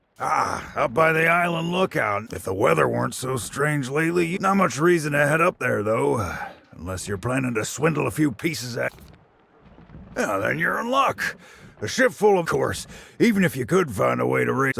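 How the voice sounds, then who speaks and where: A man puts on a raspy character voice with a fairly high pitch. He keeps a moderate pace. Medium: video game.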